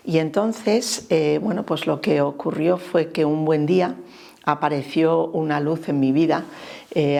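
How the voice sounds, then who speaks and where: Spanish lady in her 50s telling her story, slow and hesitant, lots of eh's, low gravelly voice. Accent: Spain Spanish. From Spain. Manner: hesitant, many pauses and soft fillers. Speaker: interviewee giving faith testimony. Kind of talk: reflective personal testimony.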